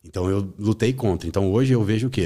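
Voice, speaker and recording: At a fairly quick pace, a man with a dark, mellow tone comes through on a very clean recording with a silent background. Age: 40s. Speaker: sports nutritionist. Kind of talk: podcast interview.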